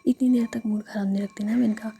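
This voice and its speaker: A woman's voice: a little high, steady tone, fast talker, gravelly, mellow, husky, full character voice. A woman whispering as Ruhi, a playful young woman. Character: playful young woman, injured but joking.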